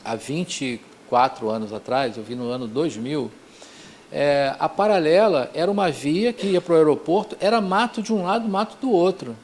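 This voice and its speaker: Male teacher, slightly high voice, chatty lecturing, lots of tag questions. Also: normal speed, a little mellow. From Rio de Janeiro, Brazil. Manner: conversational, frequent "né?" tags and restarts. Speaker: course teacher. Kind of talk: informal spiritual lecture.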